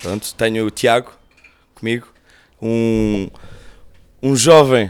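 A man speaks at a very slow pace and a medium pitch, with ordinary pitch variation. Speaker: podcast host. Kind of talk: casual chat.

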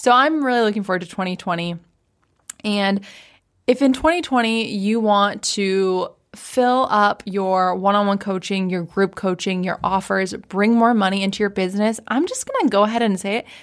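With an American accent, a woman speaks at a moderate pace and medium pitch, her tone animated and her pitch variation ordinary, on a very clean recording with a silent background. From Washington State, US. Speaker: podcast host and business coach. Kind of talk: solo podcast monologue.

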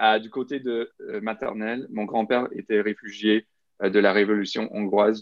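Fairly slow and fairly low in pitch, a man speaks with fairly even intonation. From Saskatchewan, Canada (Regina). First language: English (speaking French). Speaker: podcast guest, young politics graduate. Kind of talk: casual interview.

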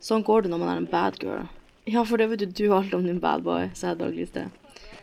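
A natural reading voice is used. It carries the whole clip.

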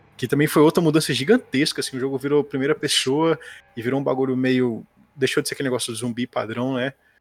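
A man at a very fast pace in a dry, close sound with no echo. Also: medium pitch for a man. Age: 20s. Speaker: podcast guest, gamer. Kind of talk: casual chat.

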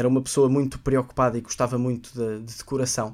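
A man talks fairly quickly at a medium pitch in a monotone, flat delivery. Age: 20s. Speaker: football coach and commentator, author. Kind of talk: interview.

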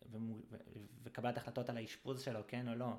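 A man at a medium pitch speaks in a monotone with flat intonation. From Israel, Rishon LeZion. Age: 30s. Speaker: business executive. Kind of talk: interview.

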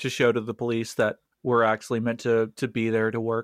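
Recorded very cleanly with a silent background, a man's voice comes across bright and sharp in a dry, close sound with no echo. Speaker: podcast host. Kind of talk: casual banter among friends about a video game.

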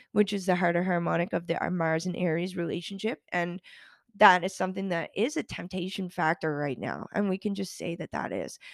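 A normal speaking voice from a woman with fairly low pitch and fairly even intonation, in dry, close sound with no echo on a very clean recording with a silent background. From Canada. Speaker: spiritual podcast host. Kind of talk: solo podcast monologue.

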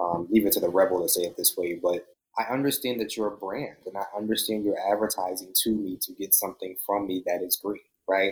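At a fairly quick pace, a man with an unremarkable speaking voice talks in a fairly low pitch with ordinary pitch variation. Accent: American. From Philadelphia, Pennsylvania. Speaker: social media consultant and realtor. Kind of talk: casual discussion.

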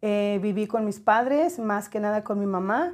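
Captured in a very clean recording with a silent background, a woman's dark, mellow voice sits fairly high in pitch with ordinary variation. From Mexico (Mezquitic, Jalisco), moved to US at 12. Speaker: entrepreneur and community development founder. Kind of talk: interview.

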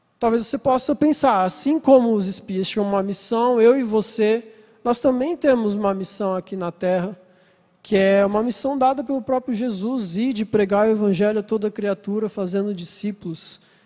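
The voice belongs to a man with high pitch. His pitch varies in an ordinary way. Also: moderate pace. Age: 20s. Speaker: preacher. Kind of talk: sermon.

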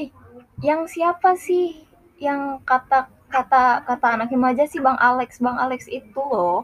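The pace is fairly slow. A woman speaks at a high pitch. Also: ordinary pitch variation. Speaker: podcast host, university student. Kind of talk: casual chat. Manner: animated.

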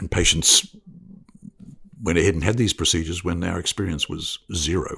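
A man with a very deep, low pitch and a bright, sharp tone speaks at a moderate pace in a New Zealand accent, leaving long, frequent pauses. His intonation is fairly even, and the sound is dry and close with no echo. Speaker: liver transplant surgeon. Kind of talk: interview. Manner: halting.

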